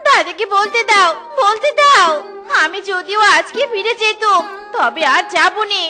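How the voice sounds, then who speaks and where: A woman's voice: very high voice, lively intonation, unhurried, bright, forceful tone, soft background music, exaggerated voice. A woman voicing a sassy, whiny young married duck daughter in a comedy cartoon, indignant in her talk. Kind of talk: Bengali comedy cartoon dialogue.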